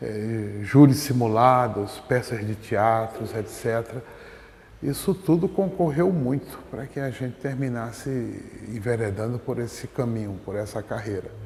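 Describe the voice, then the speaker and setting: A man's fairly slow delivery in a plain, everyday voice, medium in pitch with ordinary pitch variation. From Brazil, Pernambuco (Garanhuns). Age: 60s. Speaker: professor. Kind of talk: oral history interview.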